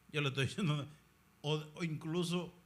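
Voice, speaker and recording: A man who is a Catholic priest, talking in an animated conversational way and sometimes acting out other people's voices. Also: on the high side, a little slow. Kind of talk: conversational discussion.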